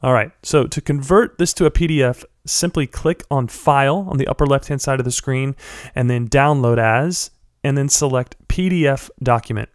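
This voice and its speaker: A young man with a stuffy head cold, giving friendly step-by-step instructions in a software tutorial voice-over. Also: medium pitch, normal speed, no room sound, clean studio sound. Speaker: blogger teaching a software tutorial. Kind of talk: screen-recorded tutorial voice-over.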